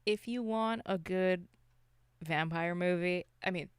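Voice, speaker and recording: A woman's voice: lowish voice, slow pace, clear, resonant tone, no room sound, clean studio sound. A woman co-hosting a podcast, chatting casually about movies in a wry, informal, rambling way. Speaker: podcast co-host.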